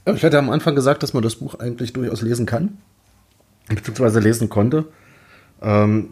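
Male panelist for casual review chat, dark relaxed tone with a raspy edge. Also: on the low side. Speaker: podcast panelist. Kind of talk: casual book review discussion.

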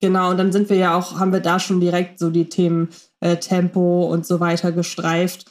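A woman's voice: lowish voice, monotone, moderate pace. A woman co-hosting a podcast, talking thoughtfully and analytically with some fillers. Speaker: podcast co-host. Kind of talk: casual chat.

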